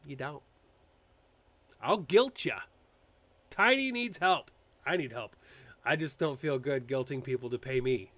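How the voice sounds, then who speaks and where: A man with a fairly high-pitched voice, recorded without echo, hosts a casual political live stream. He talks loosely and animatedly, with frequent fillers and restarts, and pokes fun at public figures with mocking impressions.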